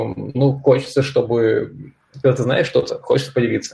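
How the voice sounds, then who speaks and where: A man is speaking. His pace is moderate. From Russia, Omsk. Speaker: Android team lead and podcast host. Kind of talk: casual chat.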